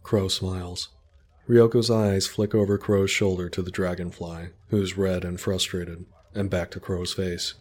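A man narrating a story in a calm, descriptive way. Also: low-pitched, a little slow.

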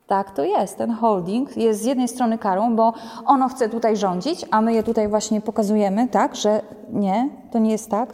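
A woman giving a conversational lecture on raising children, often tagging sentences with a checking question and acting out little quoted lines. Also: fairly high pitch. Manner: conversational, ends many sentences with a checking "nie?"; animated, acts out quotes. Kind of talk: lecture to a group. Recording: long reverb of a hall.

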